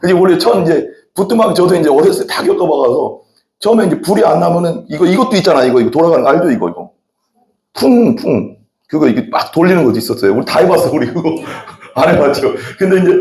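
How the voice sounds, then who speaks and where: A man's voice: on the high side, sing-song, brisk, darkish tone. A middle-aged man preaching a sermon as a pastor, telling rambling folksy stories from the pulpit. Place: church sanctuary. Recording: echoey church hall.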